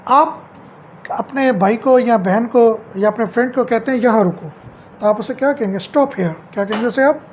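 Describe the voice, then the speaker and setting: A woman's voice: a little high, normal speed, highs cut off, slight background noise. A middle-aged woman at home teaching English phrases, asking each one back as a question and then answering it.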